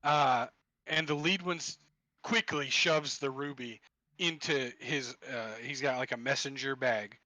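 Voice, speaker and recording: A man's voice: mid-range voice, a little slow, bright, forceful tone, dry recording, poor audio. A man running a tabletop game over voice chat as game master, describing scenes loosely with many restarts.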